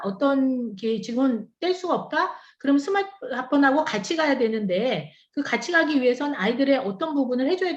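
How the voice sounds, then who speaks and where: A woman professor lectures to a hall of church teachers in a high voice that swings widely in pitch. She keeps it conversational and throws rhetorical questions at the audience. The sound is roomy and a little dull, caught in a large echoing hall. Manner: animated, acts out parent and teen dialogues.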